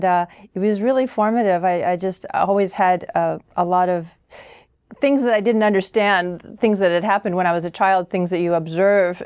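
A woman's voice: on the low side, darkish tone, clear, resonant tone, dry recording. A woman born in Austria, a novelist guest, answering interview questions thoughtfully with many fillers and restarts. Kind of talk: conversational interview.

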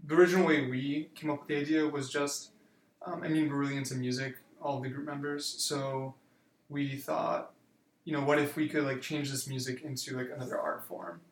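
A man in his twenties, a university student, answering interview questions in a relaxed way with many fillers. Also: mid-range voice, fairly quick, reverberant, slight background noise. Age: 20s. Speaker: student guest.

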